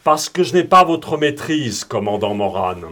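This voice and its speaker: A man's voice: medium pitch, big pitch swings, measured pace, fairly bright tone. A man voicing a menacing male hijacker in a read-aloud adventure story, with a threatening, insistent delivery. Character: menacing male hijacker who is also a pilot.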